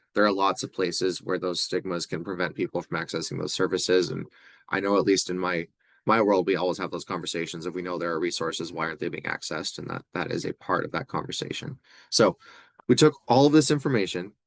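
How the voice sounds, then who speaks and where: Speaking at a fairly quick pace, a man with a very deep, low voice uses ordinary pitch variation, recorded dry and close with no echo. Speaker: public health presenter. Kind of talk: presentation at an online advisory committee meeting. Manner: fast; hesitant, with frequent fillers and repetitions.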